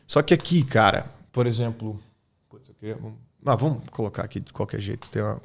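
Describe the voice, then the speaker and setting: With a gravelly, fairly low voice and a fairly quick pace, a man from Brazil explains his English-teaching method on a podcast in an informal way. He keeps checking that the listener follows, dropping in "tá?" and "cara."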